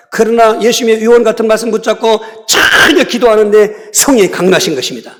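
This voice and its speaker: A man with a high pitch and ordinary pitch variation talks at a fairly quick pace against noticeable background noise. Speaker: pastor. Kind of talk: sermon. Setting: church. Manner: fast.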